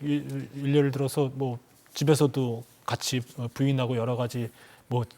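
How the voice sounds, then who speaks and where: A man's voice: mid-range voice, flat delivery, moderate pace, warm tone. A man speaking as a guest on a current affairs panel, explaining his views in a conversational way. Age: 50s or younger. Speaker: panel guest, former lawmaker. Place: broadcast studio.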